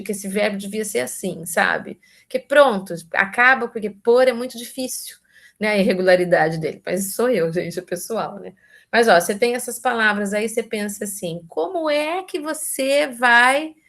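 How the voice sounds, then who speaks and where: Woman, Brazilian Portuguese accent, university lecturer, informal talk, tag questions, self-correcting, mid-range pitch. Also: gravelly. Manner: chatty, constantly adds tag questions.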